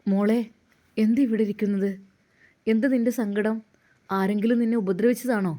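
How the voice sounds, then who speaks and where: A woman voicing a young, gentle male Muslim cleric who asks soft, concerned questions. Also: medium pitch, normal speed, natural voice.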